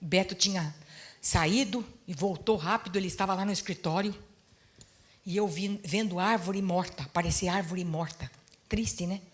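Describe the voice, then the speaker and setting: A middle-aged woman pastor giving a sermon at a church seminar, telling stories and swinging between hushed and emphatic preaching. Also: fairly low pitch, normal speed. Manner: lively storytelling, acts out quoted dialogue.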